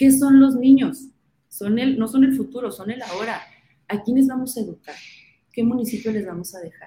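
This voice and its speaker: A woman with a high pitch speaks at a moderate pace, with ordinary pitch variation. Her loudness swings widely, and she leaves long, frequent pauses. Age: 30s. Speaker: local political candidate. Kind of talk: interview.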